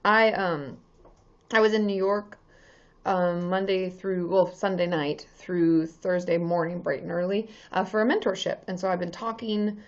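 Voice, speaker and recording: A woman in her thirties with a slightly hoarse voice, a therapist chatting casually on a live stream, greeting viewers by name with many ums. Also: on the low side, steady tone, unhurried, lo-fi sound.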